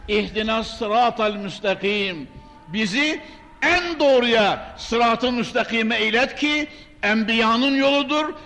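Older male preacher, high-pitched oratorical delivery at a pulpit microphone in a long-reverb hall. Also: fairly bright tone. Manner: emphatic, oratorical, addressing the congregation directly. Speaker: mosque preacher. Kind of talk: sermon from the pulpit, with Quran quotations. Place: large mosque, indoors.

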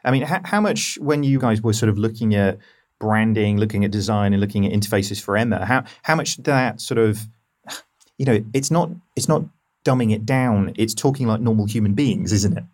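A man's voice: on the low side, fairly quick, darkish tone. A man hosting a podcast in a casual, joking way, full of "I mean" and "like". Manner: chatty, joking, uses fillers like "I mean" and "like". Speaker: podcast host.

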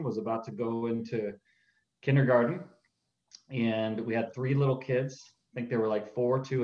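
A man's voice: medium pitch, a little mellow, echoey room, highs cut off. A man in his forties with a Northern Midwest American accent, talking earnestly as an interview guest, laughing easily with frequent fillers. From upper Midwest of the USA. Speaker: church planter, interview guest. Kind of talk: casual interview conversation.

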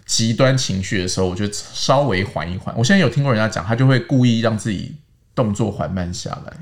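Man explaining English words slowly. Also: on the low side. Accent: Taiwanese Mandarin. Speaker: host teaching English words. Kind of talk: casual language-lesson chat.

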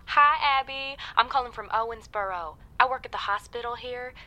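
A shaken hospital worker calling a late-night radio show. Her voice is bright and sharp, and she tells her tale in a folksy, breathless rush. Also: a little high, normal speed, low-quality recording.

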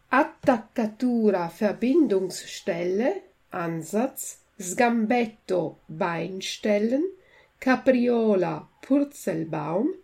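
Slow, gravelly woman reading a lesson. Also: mid-range voice, warm tone. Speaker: language teacher. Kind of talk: storybook reading and vocabulary lesson.

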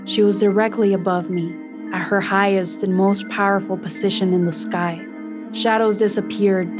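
A woman voicing an earnest young maize plant reborn as a human, narrating a first-person story in a deliberate, emotive way. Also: medium pitch, lightly acted. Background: music.

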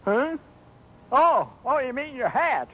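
A man playing a flustered, folksy young cowhand in a 1950s radio serial, stammering in rustic slang with an excitable drawl. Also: very high voice, slow pace, breathy edge, exaggerated voice. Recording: muffled old radio recording.

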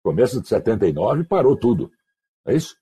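A man from Mato Grosso do Sul tells slangy radio anecdotes over an online call. His voice is very husky and dark, fairly low, and swings widely in pitch as he acts out the people in his stories. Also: a little fast. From Mato Grosso do Sul, Brazil. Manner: animated anecdotes, acting out quoted voices, slangy. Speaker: guest, radio announcer. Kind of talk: casual storytelling.

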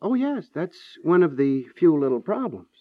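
Jovial architect, swooping intonation, breezy, 1950s radio comedy, muffled vintage recording. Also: male voice, on the high side, sing-song, normal speed, no room sound. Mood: breezy, matter-of-fact. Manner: chuckling, breezy. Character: jovial architect breezily breaking bad news.

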